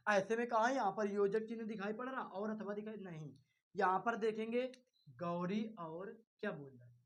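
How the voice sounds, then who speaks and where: A man's voice: sits high, fairly quick, fairly bright tone. A male teacher giving an exam-prep grammar lecture, repeating key terms, firing questions at his students and coaxing them along. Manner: reassuring, coaxing with "bhai".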